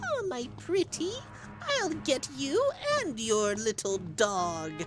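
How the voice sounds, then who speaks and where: A put-on character voice at a very slow pace, with music clearly playing in the background. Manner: deceiving, hag-like.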